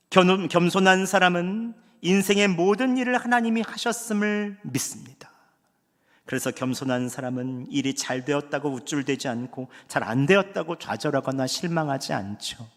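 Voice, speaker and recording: A male pastor delivering a Sunday sermon in an earnest, conversational way, now raising his voice and now dropping to a hush. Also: fairly high pitch. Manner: earnest, conversational preaching with swings between raised and hushed delivery. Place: church sanctuary. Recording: long church hall reverb.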